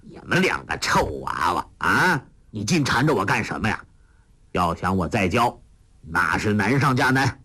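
A man putting on a gruff old beggar master. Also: sits low, big pitch swings, a bit bright, dry recording, studio quality, pitched below the performer's own voice, exaggerated voice. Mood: scolding. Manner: gruff, teasing, drawn-out exclamations.

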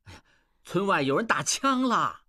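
A woman's voice: on the low side, very animated, sharp tone, full character voice. A woman voicing a pedantic, bookish male clansman in a storybook reading. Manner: measured, scholarly, quoting.

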